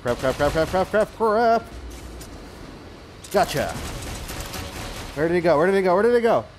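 A man's voice: high voice, expressive, moderate pace. A man giving casual, exclamatory commentary as he plays a video game, muttering short repeated phrases and mild, clean exclamations to himself. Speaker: gaming video host. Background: game music and sound effects.

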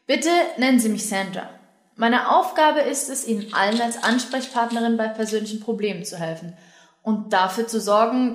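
Actress for friendly, polite psychologist in a radio play; slightly high voice in a roomy space. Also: female voice, natural voice. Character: friendly, caring female team psychologist. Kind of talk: radio drama dialogue. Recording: roomy echo.

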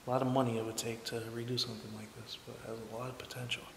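A young urban explorer narrates a vlog as he moves through a large, empty abandoned house, speaking to his camera in a rapid-fire, mid-range voice with little pitch movement. He sounds awed and jumpy, at times calling out and at times whispering. The handheld camera mic catches echoey empty rooms and faint hiss.

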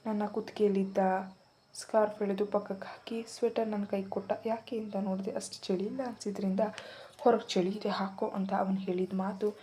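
Soft-voiced woman telling a story. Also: medium pitch, flat delivery, fairly quick, a little hiss or hum. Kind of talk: first-person story narration.

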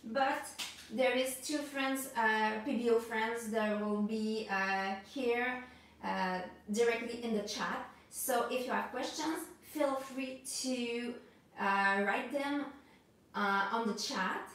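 A woman in her thirties with a French accent hosts a live art masterclass, greeting viewers hesitantly with many ums and restarts. Her voice is fairly high and bright, and she speaks slowly. A camera a few feet away captures her in an echoey home studio with art supplies on a table.

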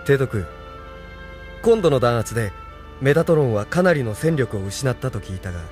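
A man's voice: medium pitch, expressive, normal speed, darkish tone, soft background music, close to an everyday voice. An actor playing a guarded young man who asks probing questions in a radio drama. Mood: wary. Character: young male heir to a rebel cause, wary. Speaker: young rebel leader.

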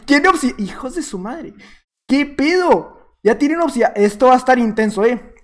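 A man with a Mexican accent giving jokey, casual commentary while playing a game, talking to himself and to opponents, jumping between loud outbursts and muttered asides. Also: extremely high pitch, animated, normal speed. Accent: Mexican Spanish. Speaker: gaming YouTuber.

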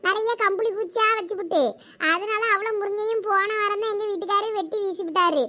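A woman with a Thoothukudi accent plays village women in a comedy sketch, her voice very high and bright. She talks in gossipy, scolding chatter. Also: steady tone, quick pace. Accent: Thoothukudi Tamil.

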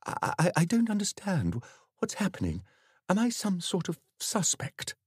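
A man's voice: high voice, sing-song, normal speed, dry recording, voice pushed up. A man doing a flustered middle-aged vicar, stumbling over his words. The voice sits well above the narrator's own and jumps about. Recorded close and dry. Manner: stammering, hesitant.

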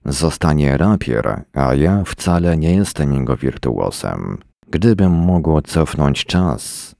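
A man's voice: extremely low pitch, expressive, slow pace, vocal fry, a little mellow, dry recording, clean studio sound, full character voice. A man reading the lines of an angry, bitter English settler in a story, harsh and commanding. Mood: brooding.

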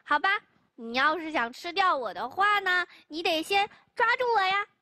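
A woman's voice: very high voice, expressive, normal speed, sharp tone, no room sound, heavily acted. A woman voicing a fearless little boy who teases and chants playful rhymes. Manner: playful, teasing, sing-song rhymes. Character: cheeky fearless little boy, youngest child.

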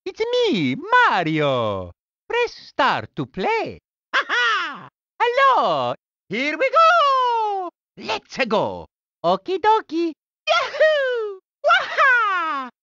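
A woman's voice: very high voice, wildly swooping pitch, very slow, pushed and bright, no echo, lo-fi sound, exaggerated voice. A woman voicing a cheerful adult male Italian plumber hero in a video game, with an exaggerated Italian accent and a playful, exclamatory manner. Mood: excited.

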